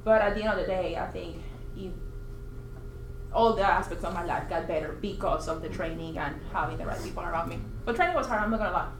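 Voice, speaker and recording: A woman from Puerto Rico telling a personal story at a team meeting, chatty and animated, acting out quoted remarks. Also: lowish voice, fast. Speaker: interviewed agent. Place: office meeting room. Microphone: far room camera. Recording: echoey room, faint hiss.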